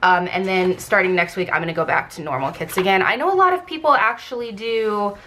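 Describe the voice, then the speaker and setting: Female vlogger, congested with a fully blocked nose and a bit scratchy, chatty and informal, medium pitch. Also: a little fast, a bit bright. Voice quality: slightly scratchy throat. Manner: informal, rambling, frequent "like". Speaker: planner vlogger. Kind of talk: casual chatty craft video narration.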